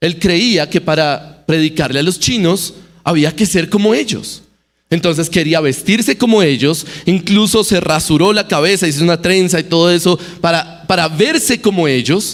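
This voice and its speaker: The voice carries a Bogotá accent at a moderate pace. Its loudness stays very even. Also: man, high pitch for a man, ordinary pitch variation. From Colombia, Bogotá. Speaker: pastor. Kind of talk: sermon. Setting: church.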